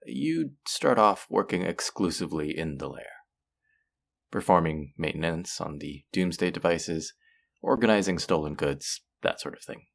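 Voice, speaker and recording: Audio roleplay villain , male actor: courteous, polished supervillain, creaky voice, highly animated intonation, measured and theatrical. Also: full character voice. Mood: businesslike, inviting. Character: suave, pleasant male supervillain interviewing a minion recruit. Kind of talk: scripted roleplay audio drama, conversational monologue.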